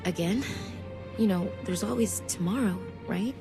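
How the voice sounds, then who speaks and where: A woman's voice: medium pitch, moderate pace, over loud music, natural voice. An actress playing a shy, nervous young woman scientist who speaks hesitantly, rehearsing her words.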